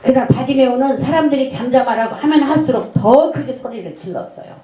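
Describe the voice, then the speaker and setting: Speaking fairly quickly with lively intonation, a middle-aged woman pastor tells a story and asks rhetorical questions during an earnest sermon. Her voice is high and mellow. The recording comes from a church sanctuary with noticeable echo.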